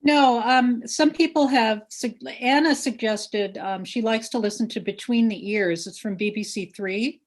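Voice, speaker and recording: A woman's voice: a little high, unhurried, hardly any pauses. A woman co-hosting in a casual, chatty way, relaying comments and questions from an audience.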